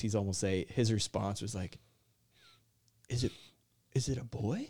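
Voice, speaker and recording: A man's fairly low, somewhat breathy voice with a dark, mellow tone, at a moderate pace broken by long, frequent pauses. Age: 20s. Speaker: pastor and young father. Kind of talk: casual chat. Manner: calm, even-keeled.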